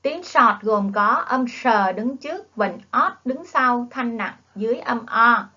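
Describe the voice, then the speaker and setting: Slow-spoken woman teacher, lo-fi sound. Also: fairly high pitch, expressive, sharp tone. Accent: Southern Vietnamese. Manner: coaxing, prompts children to repeat. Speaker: primary school teacher. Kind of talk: slow, drawn-out phonics lesson for young children. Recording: dull lo-fi classroom video audio.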